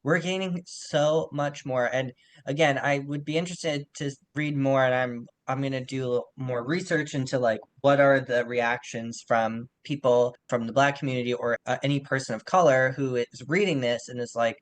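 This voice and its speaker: Man discussing literature, medium-pitched voice. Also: steady tone, normal speed, few pauses. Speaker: literary podcast co-host. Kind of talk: casual literary analysis.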